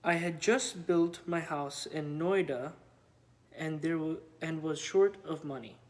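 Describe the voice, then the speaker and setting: Guy reading a devotional story out loud, really slow and halting, voice a bit on the high side. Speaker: reader of devotional testimonies. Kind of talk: slow read-aloud of a written devotional account.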